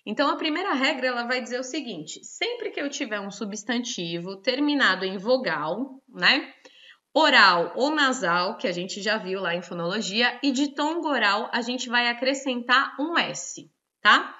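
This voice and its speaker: Brazilian lady teacher explaining grammar, kinda high bright voice, keeps tagging "right?", dull lo-fi sound. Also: animated, a little slow. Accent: Brazilian Portuguese. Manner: explanatory, frequent tag questions. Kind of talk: online grammar lesson.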